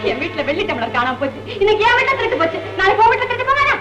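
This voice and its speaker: A fussy housewife in an old comic film, wailing dramatically in a very high, lively voice. Clear music plays under this 1960s soundtrack. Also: female voice, very fast, reverberant, rough recording. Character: fussy housewife lamenting lost silver tumblers.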